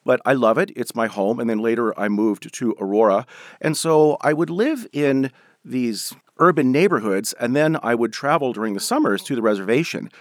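A man from Denver, an author and professor, giving measured, explanatory answers in a radio interview. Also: medium pitch, no room sound, clean studio sound. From Denver, USA.

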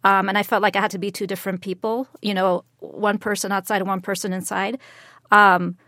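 A woman born in Lebanon and raised in Saudi Arabia and Jordan, speaking as a panel guest in an animated, emphatic way. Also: medium pitch, a little fast, dry recording, studio quality. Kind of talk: panel discussion.

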